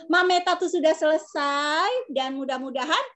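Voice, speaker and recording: Very high-pitched Indonesian woman hosting online. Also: normal speed, fairly bright tone. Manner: chatty, encouraging. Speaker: online class host. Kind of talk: informal hosting of an online class. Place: video call.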